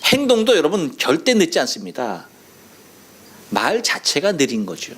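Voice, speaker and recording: A male pastor with a Chungcheong accent delivers a Sunday sermon, slipping into playful imitations of dialect phrases. His voice sits a little high and swings widely in pitch as he tells his stories. He preaches in a church sanctuary. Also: huge pitch swings, normal speed, a bit bright, husky. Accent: Chungcheong Korean. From Chungcheong, South Korea. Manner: playful storytelling, mimicking dialect phrases with laughter.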